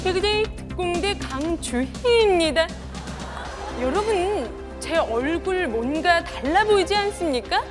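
A woman in her twenties presenting a parody news segment from a studio desk, brisk with jokey asides. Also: very high-pitched, animated, music in the background. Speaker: mock news anchor. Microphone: lapel mic.

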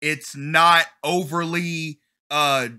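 Male reactor, 30s, very bright forceful voice, slightly high, enthusiastic slang and exclamations. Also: flat delivery, very slow, smooth. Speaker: host of a trailer reaction channel. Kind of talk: casual excited reaction commentary. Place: small bedroom at home. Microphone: desk condenser mic with pop filter.

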